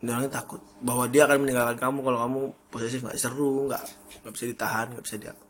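A man's voice: mid-range voice, flat delivery, racing. A young man hosting his own podcast in a casual solo monologue, chatty and often correcting his own slips with a laugh. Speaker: podcast host.

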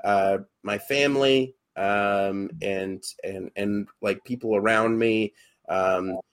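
A man's voice: lowish voice, fairly even intonation, takes it slowly. A young adult man, a podcast co-host and actor, chatting casually and hesitantly with many fillers and restarts.

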